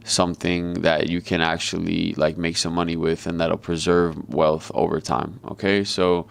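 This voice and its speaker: A man with a very deep, heavily gravelly voice talks through the markets live. His delivery is flat and monotone, casual and blunt, and he swears freely. He sounds like he is on a video call. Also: normal speed. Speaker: trader and market commentator. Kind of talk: live trading commentary.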